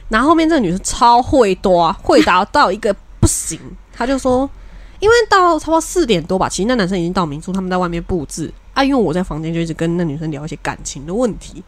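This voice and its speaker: Lively woman telling a story. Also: medium pitch, quick pace. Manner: animated storyteller who acts out friends' lines. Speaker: podcast co-host. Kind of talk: casual podcast chat.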